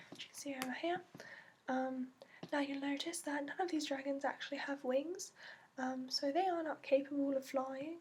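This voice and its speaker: A woman playing a gentle female dragon expert in a soft-spoken, partly whispered ASMR fantasy roleplay, explaining slowly and hesitantly in a put-on accent. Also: sits high, a little hiss or hum, close to an everyday voice. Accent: put-on, non-native to the performer.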